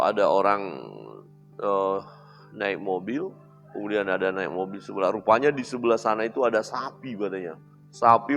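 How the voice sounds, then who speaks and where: Man, pastor, animated preaching that swings between loud and quiet, faint music underneath. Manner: animated preaching, acting out quoted voices with big swings in pitch and loudness. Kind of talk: sermon.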